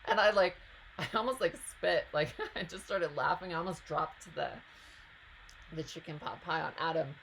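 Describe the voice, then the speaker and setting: A woman's voice: low voice, moderate pace, gravelly, a bit bright, slight background noise, low-quality recording. A woman hosting a live stream, reading out viewer questions and answering them in a chatty, casual way.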